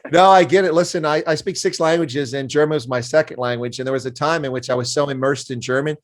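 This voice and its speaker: Male interview host, native English speaker, quick chatty delivery, laughs often. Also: on the high side. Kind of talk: casual interview chat.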